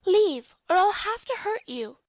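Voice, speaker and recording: Woman acting high-pitched, curt young female clone. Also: sing-song, unhurried, muffled recording, heavily acted. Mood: cold, defiant. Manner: curt, defiant. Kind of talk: audio drama acting.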